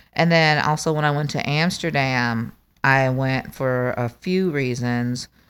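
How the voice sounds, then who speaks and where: Fairly slow, fairly even speech with an American accent on a very clean recording with a silent background. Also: woman, very deep, low pitch for a woman. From Oklahoma, US. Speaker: travel company owner. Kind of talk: casual chat. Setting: on location in Manhattan.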